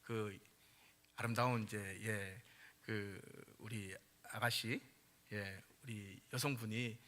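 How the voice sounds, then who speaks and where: A middle-aged man preaching a sermon in a chatty style with many fillers, growing louder and higher when he stresses a point. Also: steady tone, takes it slowly, long reverb tail. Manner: conversational, frequent fillers, rises in pitch and volume when emphasizing. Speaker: pastor.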